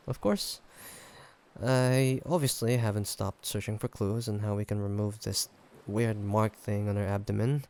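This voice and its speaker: In this roleplay audio drama, a man voices an affectionate human boyfriend teasing his partner on a fancy date, speaking in an intimate one-sided conversation. His voice is fairly low and slightly gravelly. He sounds reassuring, talking casually and haltingly with gentle teasing and chuckles.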